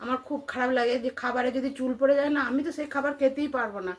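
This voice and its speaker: In her home vlog, a middle-aged Bengali Indian housewife talks chattily to her audience, going over the same points and throwing out rhetorical questions. She speaks rapid-fire in a high voice with a steady tone.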